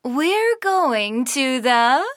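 A woman's voice: high-pitched, very animated, very slow, a bit bright, no room sound, studio quality. A woman narrating a children's cartoon in a sing-song, cheerful storytelling way.

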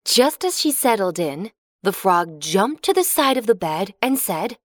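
A woman's voice: medium pitch, sing-song, unhurried, no room sound, studio quality. Woman reading a children's fairy tale. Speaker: narrator. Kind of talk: storybook narration for children.

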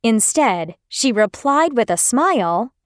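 Woman narrator, children's story, expressive and exclamatory, lively in pitch. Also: slow pace, no room sound, studio quality.

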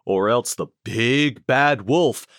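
A kind father mouse that a woman puts on speaks in a very deep, slow, gentle voice. His tone rises and falls with warmth, and the sound is dry and close. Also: no room sound. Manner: gentle, slow and warm-hearted.

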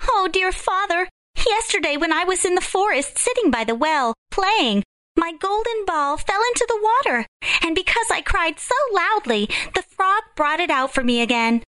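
A spoiled young princess from a fairy tale, speaking in a very high, glassy voice that leaps up and down. She sounds fretful and girlish, as a woman reader puts her on. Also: big pitch swings, normal speed, heavily acted. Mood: anxious. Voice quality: very high and bright.

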